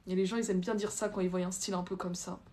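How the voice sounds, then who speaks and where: Racing through her words in a lowish, slightly mellow voice with little pitch movement, a young Frenchwoman hosts a casual livestream. She reads viewer comments and gives blunt, hesitant, loosely phrased answers, with slight background noise audible.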